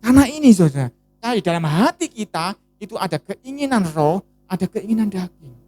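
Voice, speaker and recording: A woman preaching a sermon in a lively style, often asking the congregation rhetorical questions. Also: mid-range voice, brisk, faint music behind.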